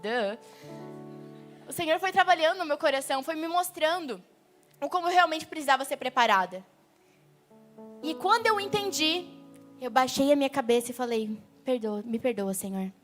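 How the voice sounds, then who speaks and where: A woman's voice: sits high, animated, moderate pace, pauses often, fairly bright tone, soft background music. A young Brazilian woman giving a chatty testimony sermon from a church stage, talking straight to her listeners. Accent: Brazilian Portuguese. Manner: chatty, talks straight to the audience. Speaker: youth preacher.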